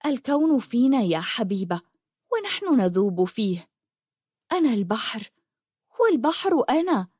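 A woman voicing a dreamy sixteen-year-old girl who speaks of the sea in a soft, poetic way. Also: a little high, big pitch swings, moderate pace, long pauses, slightly rough, dry recording, clean studio sound, pitched above the performer's own voice. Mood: wistful.

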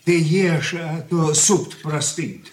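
A stern, hot-tempered old merchant father, played by a man in a radio drama, speaking slowly and heavily in a raised voice. His gruff lines can flare into shouting. The studio around him rings with a roomy echo. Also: a little high, a little hiss or hum, close to an everyday voice. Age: older. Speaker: head of a merchant family. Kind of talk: 1980s studio radio play acting.

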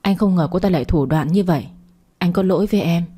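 A young husband, sorry to his wife and curt with the other woman, read by a woman storyteller. her own low, dark voice, hardly changed for him. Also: fast talker, husky. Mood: remorseful. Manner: apologetic, curt when angry. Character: remorseful then angry young husband.

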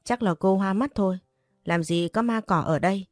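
A man's voice: high voice, moderate pace, no echo, soft background music, natural voice. A woman reading the part of a teasing, possessive young master of the house, in a storybook. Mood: firm. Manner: teasing and bossy.

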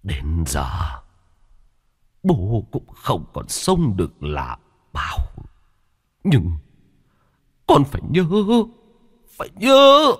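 A man's voice: deep voice, wildly swooping pitch, drawn-out words, pauses often, a little mellow, slightly rough, big-room sound, full character voice. A man voicing a tormented, dying old father whose strained words rise into anguished cries. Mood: pleading. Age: older. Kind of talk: dramatic storytelling.

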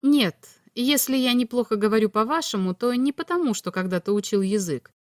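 A calm alien humanoid, as a woman reader voices him. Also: brisk, dry recording, clean studio sound, lightly acted. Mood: calm explaining. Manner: patient, explanatory, slightly higher voice. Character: calm all-knowing male alien humanoid. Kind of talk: audiobook reading.

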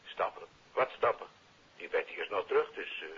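An actor playing a brisk, dismissive senior police official on the telephone in a 1950s radio drama, authoritative, with a Netherlands Dutch accent. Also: male voice, sits low, expressive, slight background noise. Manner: authoritative, matter-of-fact. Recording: dull old radio recording.

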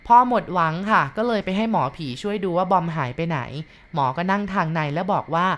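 Female storyteller, calm polite ghost-story narration, lower-pitched voice. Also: brisk.

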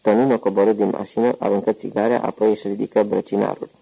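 Guy reading an audiobook, low dark husky voice, steady pace. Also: rough recording. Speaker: audiobook narrator. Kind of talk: scripted narration.

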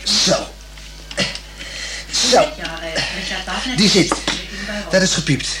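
A man playing a fussy, apologetic working-class Dutch repairman in a radio play, colloquial and halting, repeating himself. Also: high-pitched, over a noisy crowd. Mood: patient, flustered. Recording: noisy old radio play recording.

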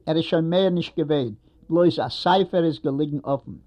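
A man voicing a shy, tender young woman who answers softly and hesitantly. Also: fairly high pitch, moderate pace, close to an everyday voice. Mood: wistful. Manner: soft, hesitant replies. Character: young woman, shy and tender, meeting her long-lost husband. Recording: dull lo-fi recording.

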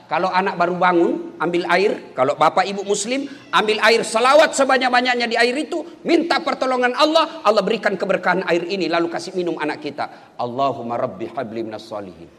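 A man preaching a sermon, swinging between loud calls and soft murmured prayers. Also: high-pitched, animated, brisk. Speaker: Islamic preacher. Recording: long hall reverb.

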